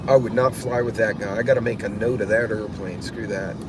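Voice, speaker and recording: A man's voice: on the low side, fairly even intonation, fairly quick. A man hosting a prepper vlog in a car, talking bluntly and casually, with lots of fillers, restarts and swearing. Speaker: prepper channel host. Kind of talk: casual rambling vlog commentary. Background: classic rock music playing.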